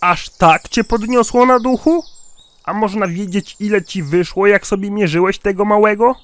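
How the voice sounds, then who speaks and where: A man's voice: high voice, moderate pace, natural voice. A man playing a sceptical, nosy old man who asks incredulous questions in a cartoon comedy skit.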